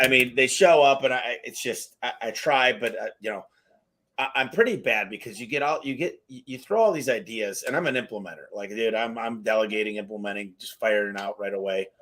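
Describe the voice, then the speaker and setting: Rambling energetic man hosting a podcast. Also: medium pitch. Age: 30s. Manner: energetic, rambling, self-deprecating, casual slang. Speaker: podcast host. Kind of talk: casual podcast interview.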